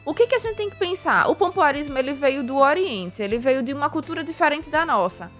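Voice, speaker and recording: A woman's voice: high voice, animated, brisk, a bit bright, faint music behind. A Brazilian woman explaining an exercise step by step in a radio interview, in a chatty, didactic way. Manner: didactic, chatty, frequent tag questions and diminutives. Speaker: pelvic physiotherapy expert guest.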